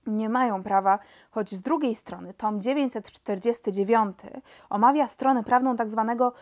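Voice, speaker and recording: A woman's voice: fairly high pitch, moderate pace, close to an everyday voice. A woman reading the part of a pedantic male justice minister in an audiobook, in a formal, legalistic manner.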